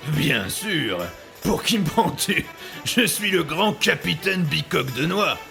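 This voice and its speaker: A man acts out a melodramatic pirate captain with a heavily creaky, fairly high voice. He is a pompous braggart with a grandiloquent turn of phrase, set over faint music in an audio drama. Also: expressive, takes it slowly, full character voice. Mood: boastful. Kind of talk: French audio drama acting.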